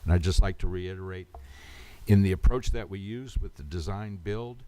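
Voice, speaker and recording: A man speaking as the chair of a public council meeting in a measured, procedural way. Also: sits low, mellow, dry recording.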